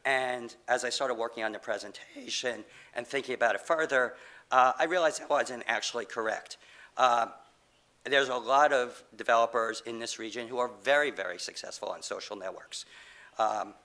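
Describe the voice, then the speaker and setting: A man's voice: mid-range voice, normal speed, sharp tone. A middle-aged man getting over a cold, giving a conference presentation with many fillers and restarts. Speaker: conference speaker, game company CEO.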